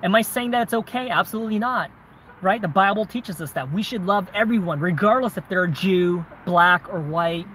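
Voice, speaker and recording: A man's voice: high voice, a little fast, fairly bright tone, slight background noise. A man with a Southern accent, a vlogger answering viewer questions in a casual, conversational way, often tagging his points with "right?" and "man.". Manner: conversational, frequent tag questions and "man", "bro". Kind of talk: casual chat.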